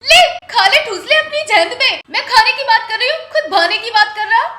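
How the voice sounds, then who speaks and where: A woman playing a shrill, scolding Haryanvi village wife. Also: lively intonation, fairly quick, sharp tone, exaggerated voice. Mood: nagging. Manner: scolding, nagging. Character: scolding, sharp-tongued village wife (Santuri). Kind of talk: comedic film acting. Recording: echoey room with music.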